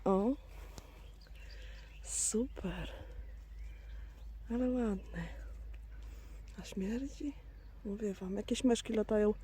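Slow, mellow-voiced woman on a farm. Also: mid-range voice, a little hiss or hum. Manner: chatty, talks to her goats and viewers. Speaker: vlogger on a small farm. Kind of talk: casual vlog chat. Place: outdoors on a farm with goats.

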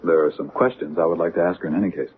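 Actor as a brisk, low-voiced doctor, old radio. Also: male voice, steady tone, natural voice. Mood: reasonable, protective. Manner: formal, smooth-talking. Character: reasonable, gentlemanly doctor working with police. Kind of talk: 1970s radio drama acting. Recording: muffled, noisy old radio recording.

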